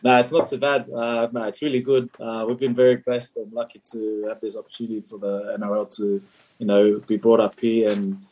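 A man in his twenties from Fiji, answering interview questions in a relaxed, hesitant way with many fillers. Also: on the low side, a little fast, low-quality recording. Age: 20s. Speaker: rugby league player, guest.

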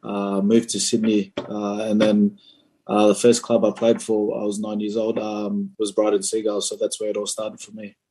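Easygoing young Fiji-born man, low and flat. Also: normal speed, low-quality recording. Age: 20s. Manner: relaxed, hesitant with many fillers. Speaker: rugby league player, guest. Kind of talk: interview answers.

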